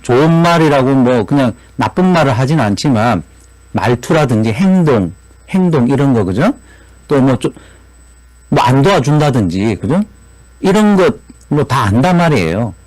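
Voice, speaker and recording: A man's voice: medium pitch, normal speed, dry recording, rough recording. A man lecturing at a business seminar, asking the audience rhetorical questions and adding tag questions as he goes. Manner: animated, frequent rhetorical questions, repeated tag "그죠?".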